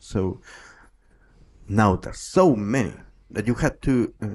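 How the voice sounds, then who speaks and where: The man's pitch sits fairly low. He talks at a fairly slow pace against a quiet background. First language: not English. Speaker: podcast co-host, technical professional. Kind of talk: casual chat. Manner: halting.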